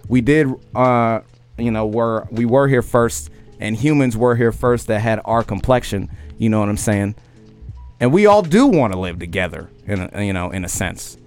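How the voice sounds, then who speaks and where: Loud, emphatic young man talking. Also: medium pitch. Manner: loud-voiced and emphatic, keeps asking "you know what I mean". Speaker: podcast host. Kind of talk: casual conversation.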